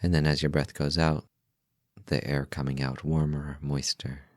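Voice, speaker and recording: A man with an extremely low voice guides a meditation, calm and gentle. He speaks in short, unhurried phrases with long pauses between them. The sound is dry and close, with no room around it. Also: dry recording. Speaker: meditation guide, podcast host.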